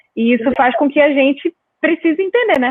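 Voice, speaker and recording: A woman's high-pitched voice with a strong Manaus accent. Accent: Manaus accent, marked. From Manaus, northern Brazil. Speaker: screenwriter. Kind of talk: online live interview.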